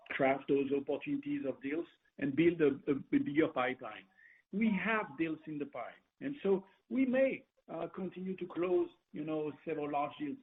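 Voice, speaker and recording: A man speaking as a company executive answering questions on an earnings call, often pausing and repeating his words as he rephrases. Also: mid-range voice. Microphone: conference call line. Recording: tinny, narrow phone conference line.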